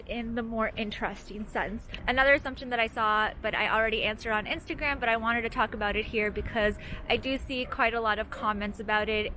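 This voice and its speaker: A woman's voice: a little high, a bit bright, a little hiss or hum, poor audio. A young Canadian woman chatting casually to her viewers while walking through a city with a handheld camera. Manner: chatty, upbeat, addresses viewers directly. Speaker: vlogger. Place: outdoors in a city street.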